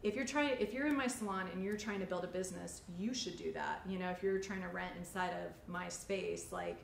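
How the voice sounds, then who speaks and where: Speaking a little fast with vocal fry in a voice on the low side, this woman in her forties, a salon owner, chats casually while teaching a demonstration. Faint ambient noise sits in the echoey indoor studio with its white backdrop.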